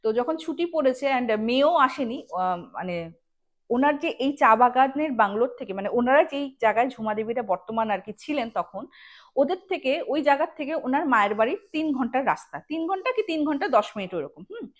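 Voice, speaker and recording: A woman's voice: sits high, expressive, brisk. A woman of tells a ghost story casually, explaining in asides and speaking straight to her listeners. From Assam, India. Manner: conversational, explains asides and addresses listeners directly.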